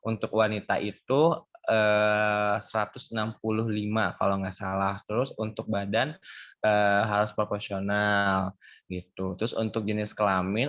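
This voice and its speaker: Low-voiced man with a slight Sundanese accent. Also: no room sound. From West Java. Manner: relaxed, informal, frequent fillers. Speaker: hospital billing staff interviewee. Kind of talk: casual explaining on a video call. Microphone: video call. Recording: dull, muffled video call audio.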